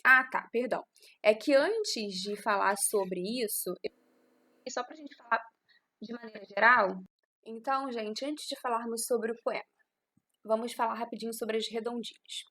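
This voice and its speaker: A woman's voice: on the high side, moderate pace, sharp tone. A woman teacher with a Brazilian Portuguese accent gives a class lecture, explaining patiently and often checking in with her students. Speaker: literature teacher.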